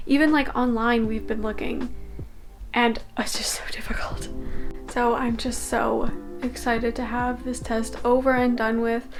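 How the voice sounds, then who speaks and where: A young woman from Canada chats to her vlog camera with a slightly high voice. She rambles easily, dropping fillers and small laughs. Soft music plays underneath. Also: little pitch movement, unhurried. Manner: chatty, filler-heavy, laughs often. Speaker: vlogger. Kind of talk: casual vlog talk to camera.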